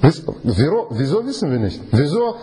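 A man's voice: fairly high pitch, normal speed, crowd noise. A man preaching in conversational, non-native German, quizzing his listeners and acting out the scenes he explains. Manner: animated, quizzes the audience, acts out scenes. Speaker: Bible teacher. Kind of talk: conversational Bible study sermon.

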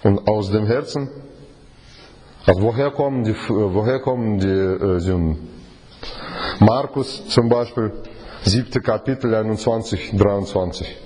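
A man preaches informally to a small group. He talks in halting bursts, restarts his sentences and throws rhetorical questions at the room. Faint room ambience sits behind him. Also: fairly low pitch, mellow, a little hiss or hum. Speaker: preacher leading a Bible study.

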